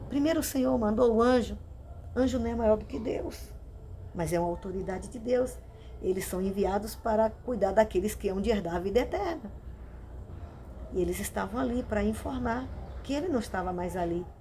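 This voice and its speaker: A woman's voice: medium pitch, brisk, warm tone, slight background noise. A woman pastor with a Brazilian Portuguese accent, preaching a sermon with emphatic, repeated questions.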